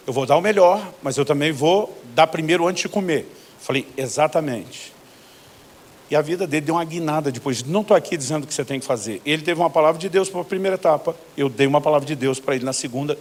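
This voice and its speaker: A middle-aged man with a Brazilian Portuguese accent, a pastor preaching a sermon who tells stories and acts out both sides of the conversations. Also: a little high. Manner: animated storyteller acting out both sides of conversations. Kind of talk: sermon storytelling with quoted dialogue.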